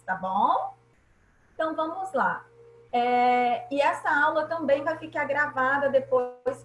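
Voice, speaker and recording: A woman teacher with a Brazilian Portuguese accent and a high, fairly bright voice patiently explains grammar in an online class, often checking that students are following. The audio is poor, with an echoey room and a little hiss or hum.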